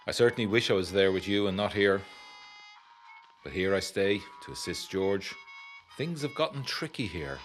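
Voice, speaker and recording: A man playing a troubled, educated 1920s gentleman, reading a letter to his fiancée in a gothic audio drama with formal, literary, brooding delivery. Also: sits low, animated, moderate pace, soft background music. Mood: wry, longing.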